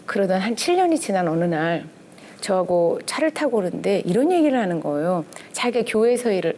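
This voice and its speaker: Animated middle-aged woman telling seminar stories. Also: fairly high pitch. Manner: animated, mimics quotes, laughs often. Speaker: speaker teaching relationship skills. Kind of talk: lively seminar talk with anecdotes.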